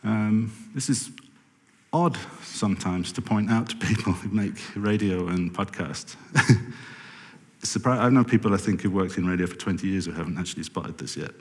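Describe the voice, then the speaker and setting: A man's voice: deep voice, moderate pace, darkish tone. A man giving a conference talk to an audience, rambling and correcting himself, with wry asides. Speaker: podcast producer giving a talk. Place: lecture hall with audience. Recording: reverberant hall.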